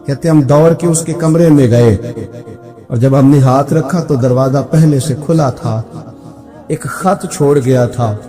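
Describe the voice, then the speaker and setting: A man delivering an emotional sermon, telling stories and quoting other people, his voice dropping low and then rising to exclamations. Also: faint music behind. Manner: sways between hushed quoting and raised exclaiming. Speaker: preacher.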